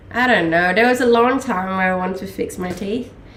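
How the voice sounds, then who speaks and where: A woman talks at a medium pitch with ordinary pitch variation. There is audible echo in the room. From Denmark. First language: Danish. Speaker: live streamer. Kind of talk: casual chat. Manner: calm.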